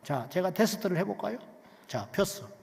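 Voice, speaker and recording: A pastor with a high-set, sing-song voice preaches at normal speed with vocal fry, hammering key lines, then dropping to a hush and posing rhetorical questions. His words echo with long reverb as if in a large church sanctuary, and there is heavy background noise.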